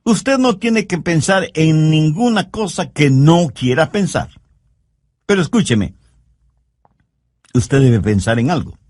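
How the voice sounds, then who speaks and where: A man preaching a sermon in an earnest, pleading way, slowing down to stress key words. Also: on the high side, animated, a little mellow, no room sound, clean studio sound.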